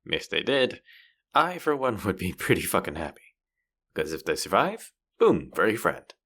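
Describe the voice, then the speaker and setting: A man's voice: low-pitched, wildly swooping pitch, normal speed, fairly bright tone, exaggerated voice. A man playing a cocky, bratty street-rat rogue in a fantasy roleplay audio drama, teasing and foul-mouthed as he talks straight to the listener. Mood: playful banter.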